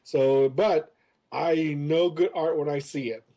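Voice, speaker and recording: A man in his fifties tells stories from his past on a podcast. His voice is mellow and a little high. He rambles loosely and drops hesitant fillers between phrases. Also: steady tone, slow. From United States. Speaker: interview guest, comics creator. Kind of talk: casual storytelling interview.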